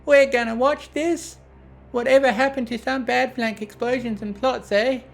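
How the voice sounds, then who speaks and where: Storybook sock puppet, shrill and sassy, Manhattan accent, squeaky high. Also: male voice, steady tone, normal speed, gravelly. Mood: whiny.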